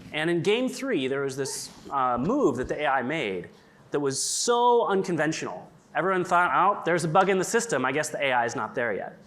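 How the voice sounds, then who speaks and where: A man's voice: mid-range voice, a bit bright. A man speaking on a conference panel in a casual, chatty way, full of "like" and "um", whose first language is English. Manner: chatty, lots of likes and ums. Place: conference stage.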